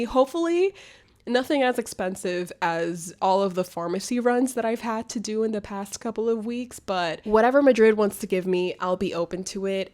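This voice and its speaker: A woman's voice: medium pitch, darkish tone. A young woman vlogging a casual life update, chatty and rambling, her voice nasal and congested from a cold. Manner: chatty, rambling, affectionate, laughs often. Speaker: booktuber vlogger.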